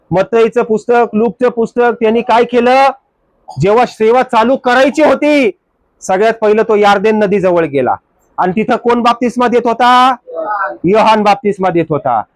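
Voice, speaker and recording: Male pastor, high voice, fervent sermon, rhetorical questions and hallelujahs. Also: no echo. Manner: fervent, asks rhetorical questions, repeats phrases; punctuates with hallelujah.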